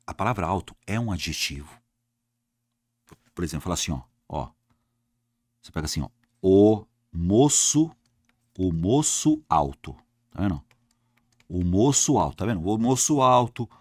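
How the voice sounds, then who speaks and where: Guy teaching grammar for exams, lowish voice, bounces around a lot, chatty, asks himself stuff. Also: dry recording, clean studio sound. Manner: lively, talks to class directly, asks and answers himself. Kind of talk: exam-prep grammar lesson.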